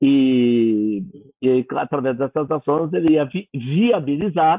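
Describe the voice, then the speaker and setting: A man with a Spanish accent speaks with ordinary pitch variation. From Egypt. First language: Spanish (speaking Portuguese). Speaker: events industry executive. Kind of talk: interview. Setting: recorded broadcast program. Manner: hesitant, with many fillers.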